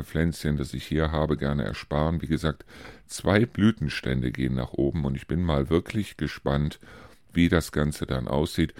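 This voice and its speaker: Very deep-voiced chatty man in his fifties. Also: darkish tone, dry recording, clean studio sound. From Germany. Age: 50s. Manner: rambling, chatty, frequent hesitation fillers. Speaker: podcast host. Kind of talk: casual podcast monologue.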